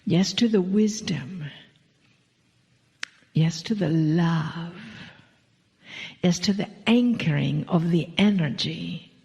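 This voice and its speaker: A woman channeling a spiritual message to a live audience, speaking slowly and drawing out her words, often dropping into soft whispered phrases. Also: lowish voice, gravelly. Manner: slow, drawn-out delivery with soft whispered phrases. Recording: echoey hall, dull lo-fi sound.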